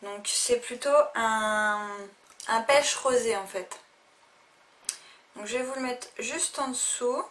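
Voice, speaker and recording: A woman's voice: fairly high pitch, slow pace, long pauses, a bit bright. A young woman casually reviewing makeup she bought, talking hesitantly with many fillers and restarts. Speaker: beauty vlogger. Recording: faint noise, a little distant from the mic.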